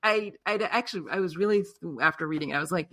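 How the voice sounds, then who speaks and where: Woman host, lowish voice, halting and self-correcting, casual. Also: fairly bright tone. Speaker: podcast host. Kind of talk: casual interview chat.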